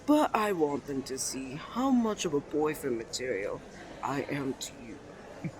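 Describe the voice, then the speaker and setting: Man voicing flirtatious twin brother, smooth, self-assured, teasing, courtly endearments, romantic audio roleplay, light background noise. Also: a little high, animated. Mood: teasing, tender. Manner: suave, drawn-out, playfully formal endearments. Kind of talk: romantic ASMR roleplay acting.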